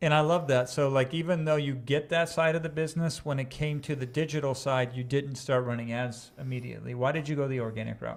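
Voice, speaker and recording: A fairly high-pitched man with an Iowa accent, very fast and with hardly any pauses. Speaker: online business coach, host. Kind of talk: interview. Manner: enthusiastic.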